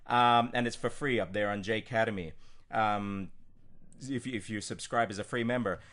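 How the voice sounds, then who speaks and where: A man's voice: lowish voice, fairly even intonation, normal speed, a bit bright. Casual male coach, full of ums. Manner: informal, with frequent ums and restarts. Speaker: language coach. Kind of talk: screen-recorded teaching walkthrough.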